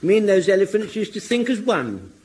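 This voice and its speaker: An actor playing an eager, rambling old soldier in a radio comedy. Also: male voice, high voice, sing-song, brisk, a little mellow, slight background noise. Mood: boastful.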